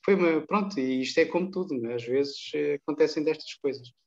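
An older man from Angola tells his stories in a calm, chatty way, his voice sitting a little high for a man. He speaks from a plain room over a video call, and the sound comes through dull and lo-fi. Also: a little fast, gravelly. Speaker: guest. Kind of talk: casual interview chat, telling anecdotes. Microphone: webcam on a video call.

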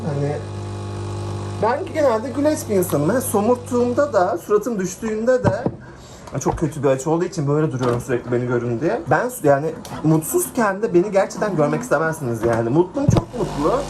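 A man's voice: high-pitched, big pitch swings, quick pace, over music. A young man chatting casually to the camera in an office for his vlog, laughing often. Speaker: vlogger. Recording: noisy background.

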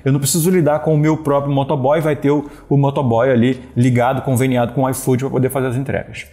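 A man in his thirties from Brazil, talking straight to camera and giving business advice with animated hand gestures, often checking in with the viewer. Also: mid-range voice, fast. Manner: animated, gesturing, steady talk punctuated with "né?" and "beleza". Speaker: e-commerce business coach. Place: small indoor room with wooden slat wall. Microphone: wired earphone headset mic.

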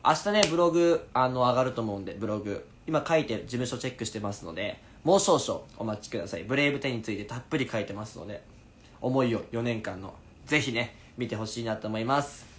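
A man in his twenties chatting casually on a livestream in an animated way, answering viewers as he goes. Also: mid-range voice, fast talker. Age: 20s. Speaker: stage actor livestreaming to fans. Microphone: phone at arm's length. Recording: noisy room ambience, phone livestream.

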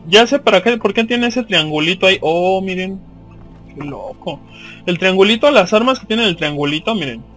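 A man's voice: sits high, lively intonation, moderate pace, a bit bright, faint music behind. A man with a Mexican accent giving casual, slangy, profanity-laced commentary as he plays a video game.

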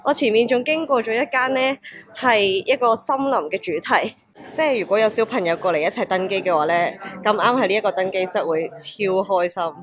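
A young woman with a Hong Kong Cantonese accent, narrating a travel vlog in a chatty, excitable way and exclaiming over food. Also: medium pitch, fairly quick, crowd noise. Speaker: travel vlogger. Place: restaurant table, indoors. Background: background music.

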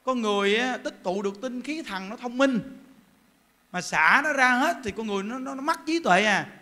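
A man preaching a Buddhist sermon, emphatic and animated, full of rhetorical questions. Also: very high voice, moderate pace.

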